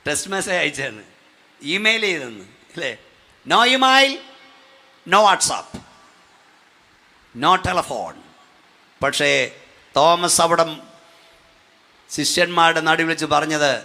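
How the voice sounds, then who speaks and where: Middle-aged male pastor from Kerala: fervent revival preacher, high and bright, at times shouting. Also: animated, slow, long pauses. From Kerala, India. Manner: fervent preaching, rising to shouts, urging clapping and praise. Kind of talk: Malayalam Pentecostal sermon. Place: church gathering at night.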